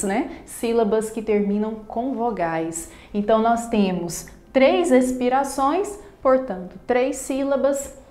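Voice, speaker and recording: Lady teacher explaining a lesson, bit high voice, roomy echo. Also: a little mellow. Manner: explanatory, repeats key terms. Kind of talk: classroom lesson.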